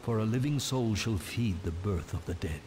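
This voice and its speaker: An actor playing a solemn tribal storyteller, narrating dark legends for a fantasy game in a grave, portentous, theatrical manner. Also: male voice, fairly low pitch, expressive, moderate pace, a little hiss or hum, lightly acted. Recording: music behind the voice. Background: prominent music.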